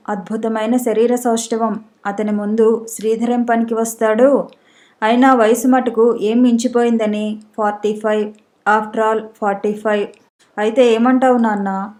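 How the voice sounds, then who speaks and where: A woman reading a storybook aloud with a fairly high voice. She narrates steadily and gives the characters' dialogue some expression. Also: darkish tone. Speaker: audiobook narrator.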